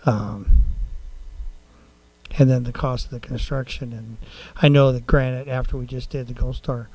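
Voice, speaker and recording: A man speaking as a council member in a public meeting, plain-spoken and rambling, with halting phrasing. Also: mid-range voice, steady tone, a little mellow, low-quality recording.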